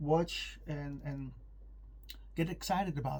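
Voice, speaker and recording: Fairly slow speech in a Dutch accent. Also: man. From Netherlands. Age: 40s. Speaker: vlogger and cook. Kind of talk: casual vlog talk to camera. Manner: hesitant, many fillers.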